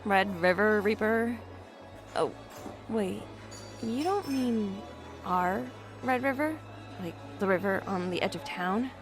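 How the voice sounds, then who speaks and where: An actress plays a young woman in her twenties, a cautious, overworked homebody. Her delivery is understated and a little hesitant, at a middle pitch. Music plays clearly behind her naturalistic audio drama dialogue. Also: slow pace, lightly acted. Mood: curious. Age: 20s.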